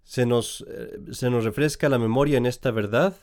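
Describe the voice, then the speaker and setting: A man, a priest, reads scripture in a measured, solemn way and then preaches a sermon, now and then correcting himself mid-phrase. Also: medium pitch, steady tone, a little mellow. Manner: measured, solemn reading with slips and restarts.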